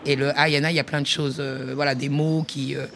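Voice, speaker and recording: A woman's voice: very deep voice, little pitch movement, fairly quick, gravelly, background noise. A woman researcher giving a reflective talk at a workshop, thinking aloud with many restarts and speaking to the listener informally.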